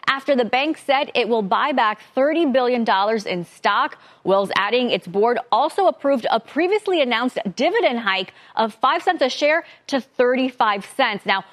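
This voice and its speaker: A woman's voice: fairly high pitch, animated, unhurried. A woman reading a scripted financial news report.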